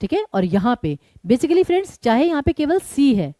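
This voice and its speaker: A woman teacher leads an online exam-prep class, firing quick questions at her students and then walking through each answer. Her fairly high voice rises and falls with animation. Her tone is mellow and warm, recorded close and dry. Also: very animated, no room sound. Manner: quizzes students and explains briskly.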